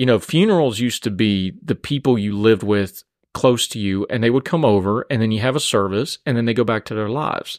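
A man's normal speaking voice at medium pitch with ordinary pitch variation and a fairly quick pace, dry and close with no echo, on a very clean recording with a silent background. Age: 40s. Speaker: writer and podcast host. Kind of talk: casual conversation.

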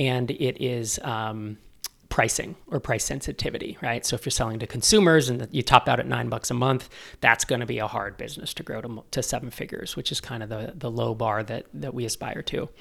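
Vocal fry runs through speech at a fairly quick pace with ordinary pitch variation. The recording is very clean, with a silent background. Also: man, medium pitch for a man. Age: 40s. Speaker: startup investor and podcaster. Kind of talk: interview.

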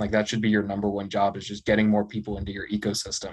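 Against a quiet background, a man talks very fast in a fairly low voice. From US (Ohio), moved from South Africa as a child. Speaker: marketing agency owner. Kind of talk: casual interview.

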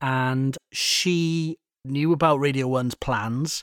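In a Welsh accent, a man speaks at a medium pitch with ordinary pitch variation, and the sound is dry and close with no echo. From Wales. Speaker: radio DJ. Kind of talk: interview.

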